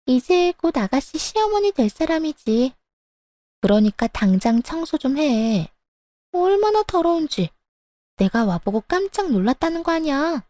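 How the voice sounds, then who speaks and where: Woman putting on a haughty, shrill mistress. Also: big pitch swings, unhurried, dark tone, no room sound. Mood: haughty scolding. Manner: haughty, scolding, talks down. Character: brazen, bossy middle-aged mistress, would-be stepmother-in-law.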